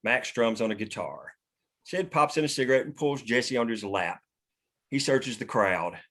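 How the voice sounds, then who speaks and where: A man's voice: medium pitch, expressive, moderate pace, fairly bright tone. A man reading scripted screen directions as the narrator of a table read.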